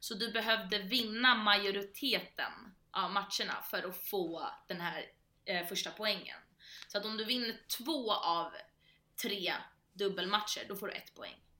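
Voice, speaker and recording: With long, frequent pauses, a woman talks at a fairly slow pace, her medium pitch varying in an ordinary way. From Stockholm, Sweden. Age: 20s. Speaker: former college athlete. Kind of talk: casual chat.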